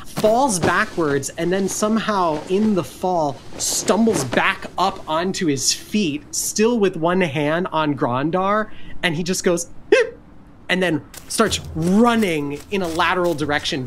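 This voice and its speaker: A woman narrating a tabletop game as its game master. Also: on the low side. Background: faint music.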